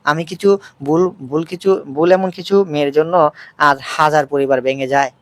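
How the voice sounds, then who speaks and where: A man's voice: on the high side, normal speed, close to an everyday voice. A man voicing a hostile younger brother who mocks and taunts. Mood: taunting. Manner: mocking, taunting.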